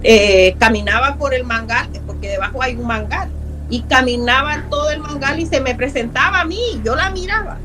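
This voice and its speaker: A middle-aged woman from Honduras speaks with a slightly raised pitch. She tells her story earnestly and emphatically, often repeating words to stress a point. Soft music plays faintly behind her. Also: normal speed, rough recording. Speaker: guest telling a true haunting story. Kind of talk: personal storytelling in a conversation.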